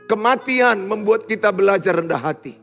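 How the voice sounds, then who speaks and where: Impassioned fifties pastor. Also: male voice, high-pitched, animated, moderate pace. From Indonesia. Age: 50s. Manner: impassioned preaching, cadenced lists, shifting from loud emphasis to soft intimate tones. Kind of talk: sermon. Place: large church hall. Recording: long hall reverb with faint music.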